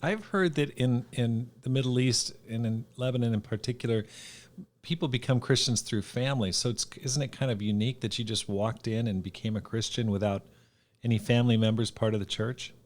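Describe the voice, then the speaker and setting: A man's voice: medium pitch, a little fast, a little mellow. A man hosting a podcast, introducing guests and asking interview questions in an upbeat, encouraging way. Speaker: podcast host.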